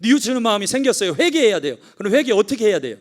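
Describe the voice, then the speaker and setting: A middle-aged male pastor with a notably high voice delivers a Korean-language sermon. He tells a family story and shifts between quiet confiding moments and fervent exhortation. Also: very animated, very fast. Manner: storytelling, swings from hushed to fervent.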